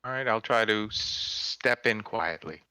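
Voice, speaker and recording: Male player, cautious and casual, bright clear voice, dry. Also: on the low side, measured pace, dry recording. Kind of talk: casual tabletop play.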